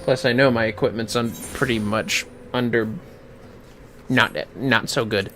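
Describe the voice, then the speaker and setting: A man's voice: mid-range voice, steady tone, unhurried, pushed and bright, slight background noise. A man giving casual, foul-mouthed commentary on a gaming livestream, muttering to himself with playfully theatrical outbursts.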